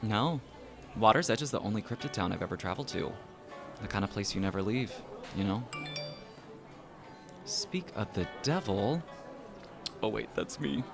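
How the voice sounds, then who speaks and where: Lively, joking young man, played by an actor. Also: fairly low pitch, moderate pace, gravelly, long pauses, over music. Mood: easygoing, reassuring. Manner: casual, joking. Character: easygoing young cryptid man, a joking, reassuring friend. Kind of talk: acted dialogue in an audio drama podcast.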